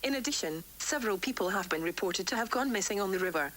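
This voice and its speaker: A woman playing a worried, defiant doctor dictating formal, measured research logs for an analog horror tape series, recorded on vintage cassette. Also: medium pitch, lively intonation, fairly bright tone, close to an everyday voice. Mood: grave, concerned. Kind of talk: analog horror tape log, scripted report.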